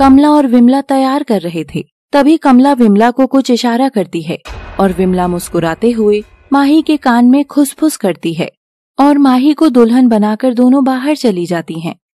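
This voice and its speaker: With music in the background, a woman speaks in a high voice with lively intonation, the sound dry and close with no echo. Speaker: animated story narrator. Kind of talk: dramatic story narration. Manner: dramatic, emotionally charged, building to a tearful wail.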